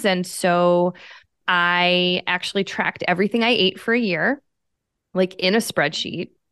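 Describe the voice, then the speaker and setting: An ordinary speaking voice from a woman with an American accent, medium pitch and fairly even intonation. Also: quiet background. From Pennsylvania. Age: 40s. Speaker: author and investor. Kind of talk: casual interview.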